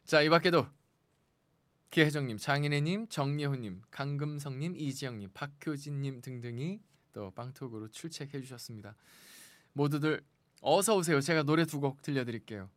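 A man's voice: a little high, normal speed, no echo. A man hosting a radio show in a casual, friendly way, reading listener messages aloud and chatting back to them. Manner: chatty, friendly replies to listeners with light laughs. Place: radio studio.

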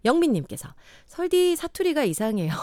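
Lively Daegu woman radio host. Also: fairly high pitch, unhurried, no room sound, studio quality. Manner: bright, chatty, laughs often. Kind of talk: live radio hosting. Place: radio studio. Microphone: studio microphone.

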